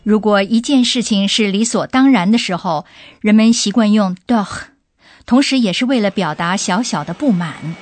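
A woman's voice: mid-range voice, normal speed. Inquisitive woman hosting a radio lesson. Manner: inquisitive, prompts the expert with questions. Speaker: host. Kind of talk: radio language lesson, guiding questions.

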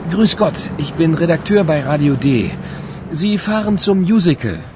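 A polite young radio reporter who greets people with formal courtesy. His voice sits fairly high and moves lively up and down. He speaks slowly over loud traffic noise from the street. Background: traffic and street ambience.

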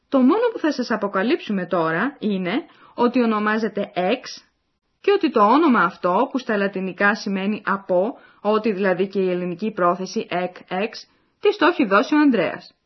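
Woman narrating a language lesson. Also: medium pitch. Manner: clear, explaining, addresses listeners. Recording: dull lo-fi recording.

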